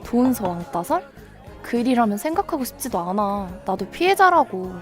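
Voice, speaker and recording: A woman's voice: on the high side, very animated, moderate pace, soft background music. A woman playing a prickly young woman. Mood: annoyed. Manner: irritated, curt. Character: irritable, sharp-tongued young woman. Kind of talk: student radio drama.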